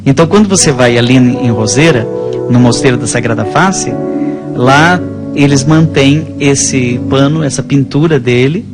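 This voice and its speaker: A man with a Brazilian accent, a priest, talking conversationally about faith and telling stories in a halting, rambling way. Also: mid-range voice. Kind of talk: conversational religious storytelling. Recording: music playing behind the voice.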